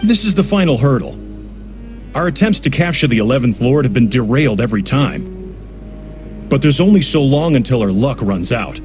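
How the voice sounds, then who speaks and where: A man voicing a cold, businesslike villain boss in a video game, formal, measured and calmly threatening. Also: mid-range voice, music in the background, natural voice. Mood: coolly commanding.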